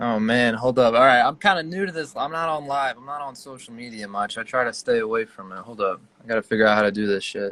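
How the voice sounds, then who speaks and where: Bright and sharp in tone, a man talks at a very fast pace with hardly any pauses. His intonation is lively, and his loudness swings widely. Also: medium pitch for a man. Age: 20s. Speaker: music producer. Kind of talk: casual chat. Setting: Instagram live stream.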